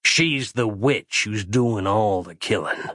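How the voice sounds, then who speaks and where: A man's voice: fairly low pitch, a bit bright, dry recording, studio quality. A man putting on a drawling villainous sheriff. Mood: menacing. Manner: slow drawling folksy speech, scornful. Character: menacing folksy frontier sheriff, middle-aged man. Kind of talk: audio drama character voice.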